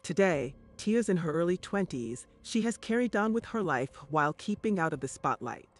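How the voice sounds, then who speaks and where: A man's voice: high-pitched, expressive, moderate pace. A man reading scripted narration as the narrator of a true crime documentary. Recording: music bed under narration.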